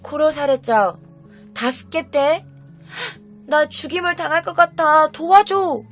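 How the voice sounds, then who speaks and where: A woman acting as a terrified young woman, shrill and crying. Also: animated, unhurried, faint music behind. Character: frightened young woman pleading for her life.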